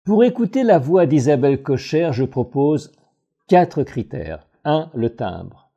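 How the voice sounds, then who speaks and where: A man, a voice coach, reads a scripted voice-over analysis in a measured, analytical way. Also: fairly high pitch, slightly rough, dull audio. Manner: measured, analytical, expressive phrasing.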